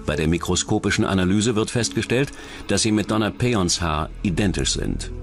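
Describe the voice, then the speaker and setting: A man with a fairly low voice narrates a true-crime documentary from a script. His delivery is measured and serious. Music plays clearly behind him. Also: expressive.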